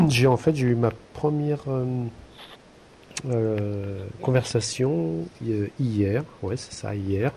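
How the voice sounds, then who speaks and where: A man's voice: mid-range voice, lively intonation, slow pace, vocal fry, dark tone, slight background noise. A man co-hosting a podcast in casual chat, talking hesitantly with many fillers and restarts. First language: French. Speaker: podcast co-host.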